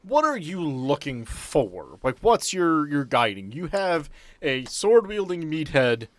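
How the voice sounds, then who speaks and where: A man's voice: on the high side, big pitch swings, takes it slowly, dry recording. A man running a tabletop game as game master, narrating casually and improvising in stop-and-start phrases.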